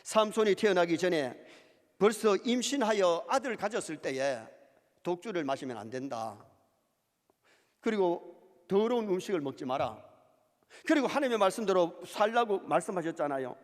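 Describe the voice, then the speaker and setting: A male pastor preaching a sermon, lively and emphatic, with quoted asides. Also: sits high, normal speed, long pauses. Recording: church hall reverb.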